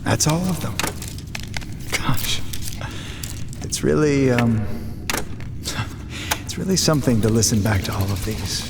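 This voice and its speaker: Slow, wistful, halting chronicler. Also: male voice, medium pitch, expressive, noisy background. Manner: halting, reflective, polite. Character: wistful, gentle, hesitant male chronicler. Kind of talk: fiction podcast character acting. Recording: long hall reverb, music underneath.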